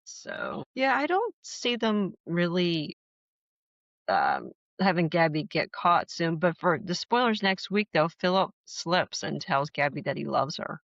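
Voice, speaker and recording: This podcast host has a low, gravelly voice with wildly swooping pitch and an unhurried pace as she casually recaps a soap opera. She's frank and chatty, using plenty of fillers, and the dry recording sounds dull and lo-fi.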